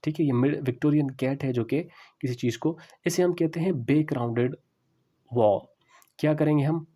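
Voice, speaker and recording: A man giving a classroom lecture on English pronunciation, explaining slowly and repeating the example words. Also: on the high side, mellow.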